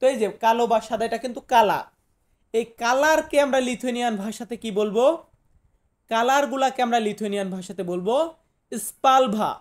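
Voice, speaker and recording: A man from Bangladesh, giving a vocabulary lesson to viewers. He repeats each new word slowly and asks rhetorical questions before answering them. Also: extremely high pitch. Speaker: language teacher.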